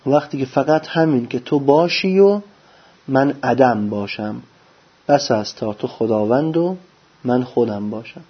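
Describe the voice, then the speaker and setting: A man giving a religious lecture, preaching with lively rhetorical questions and answering them himself. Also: mid-range voice, slightly rough. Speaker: religious teacher. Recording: dull lo-fi recording.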